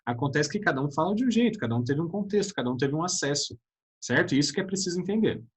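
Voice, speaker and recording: A man's voice: a little high, lively intonation, quick pace, slightly rough. A man with a Brazilian accent teaching an online lesson, chatty and always checking in with his students. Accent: Brazilian Portuguese. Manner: chatty, keeps addressing the class with tag questions.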